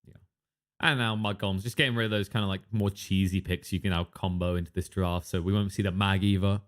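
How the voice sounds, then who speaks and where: A man casts a live esports match in a low voice with little pitch movement. He chats loosely with a co-caster, filler-heavy and prone to quick asides that trail off.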